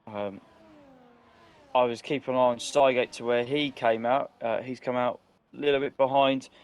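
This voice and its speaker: A man co-commentating live on a motor race, pausing often as he reads out gaps and strategy. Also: medium pitch.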